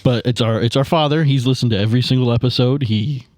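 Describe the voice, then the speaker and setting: A man's voice: mid-range voice, quick pace, a little mellow, dry recording, clean studio sound. A man chatting casually as a tabletop game podcast player, hesitant and often repeating himself. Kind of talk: casual chat.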